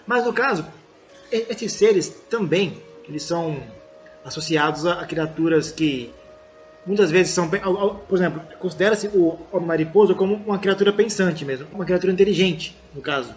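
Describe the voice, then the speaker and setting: A man's voice: sits high, normal speed. A young man co-hosting a podcast, explaining things casually with many restarts and examples. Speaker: podcast co-host. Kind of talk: casual banter among friends.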